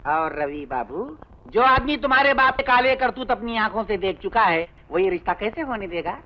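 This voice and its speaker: A man's voice: sits high, animated, muffled recording. An actor playing a scheming, sarcastic village accountant and father in an old film comedy scene. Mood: gloating. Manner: sarcastic, fast-talking, full of quips. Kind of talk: 1980s film comedy acting.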